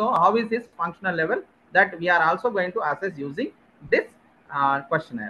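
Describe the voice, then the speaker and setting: Over light background noise, a man speaks in a raised, projected voice at a high pitch, fairly quickly and with lively intonation, leaving long, frequent pauses. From India. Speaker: audiologist; presenter. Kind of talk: lecture. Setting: video call. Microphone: video call.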